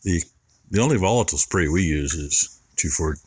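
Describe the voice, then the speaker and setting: A man's voice: deep voice, lively intonation, moderate pace, breathy edge, dry recording. A man who farms, talking casually and plainly in a folksy, rambling way while filming outdoors. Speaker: farmer vlogger. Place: outdoors on a farm near a barn.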